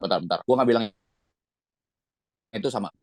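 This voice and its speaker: A man's voice: fairly low pitch, dry recording. A man, a fitness coach, talking insistently in an online roundtable while his call audio keeps breaking up. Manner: insistent, fast, interrupts to correct. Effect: choppy, breaking-up call audio. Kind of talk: heated online roundtable discussion. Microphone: video call. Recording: glitchy, cutting-out online call audio, dry.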